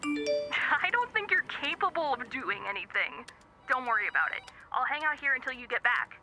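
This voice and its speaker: A woman's voice: sits high, sing-song, moderate pace, over music. A woman playing a chatty, breezy young student who gossips and teases in an audio drama. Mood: gossipy, teasing. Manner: breezy, teasing.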